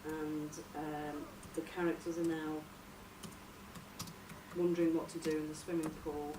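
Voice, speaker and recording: Woman, tentative informal story pitch, searching for words, far from the mic, clearly noisy recording. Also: flat delivery, measured pace. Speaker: workshop participant presenting a radio drama outline. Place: echoey room, recorded from a distance. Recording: roomy, distant mic, noisy background.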